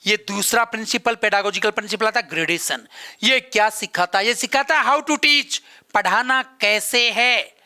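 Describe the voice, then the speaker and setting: Bright-voiced man teaching an exam class. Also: sits high, normal speed. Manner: repeats key terms, mixes English words into Hindi explanation; gives examples and writes on a board while talking. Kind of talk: exam-prep classroom lecture.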